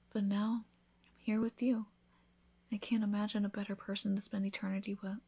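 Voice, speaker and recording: In an intimate ASMR roleplay, a woman plays a devoted vampire who has just married, speaking softly and often in a whisper with affection and reassurance. Her voice is medium-pitched, soft and breathy, and the acting is light.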